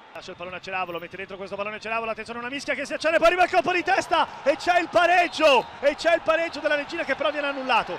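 A man races along at a very fast pace in an extremely high, excited and animated voice. His pitch swings very widely and his loudness rises and falls sharply, over noticeable background noise. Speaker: football commentator. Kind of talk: live sports commentary. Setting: stadium broadcast commentary. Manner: fast, excited, animated delivery, rising intensity on goals; breathless rapid-fire play-by-play.

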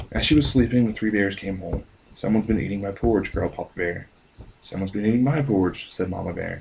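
Over light background noise, a man with an American accent talks very fast in a fairly low pitch with ordinary pitch variation. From Charlotte, North Carolina. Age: 20s. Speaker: volunteer dialect recording. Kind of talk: dialect sample story reading. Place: home room. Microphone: webcam.

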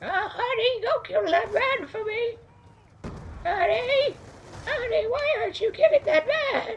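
Extremely high in pitch, this put-on character voice moves at a fairly slow pace with long, frequent pauses. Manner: pleading, dramatic.

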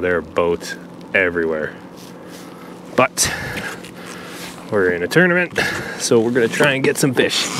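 A man with a very deep, low voice talks at a moderate pace, leaving long, frequent pauses. The sound is dry with no echo, though noticeable background noise is present. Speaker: fishing vlogger. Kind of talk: casual vlog chat. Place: waterside. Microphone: camera far.

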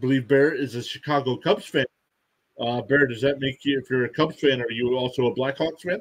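With a fairly slow delivery, a man talks while the background remains quiet. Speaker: live stream host. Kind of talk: play-by-play commentary and chat reading. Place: home room.

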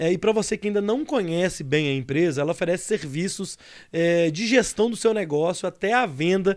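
Lively intonation and a moderate pace mark a man's high-pitched speech over a quiet background. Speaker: podcast host. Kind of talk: casual interview, live stream with ad reads. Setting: studio, live-streamed podcast. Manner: animated, chatty. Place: studio. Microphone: studio mic.

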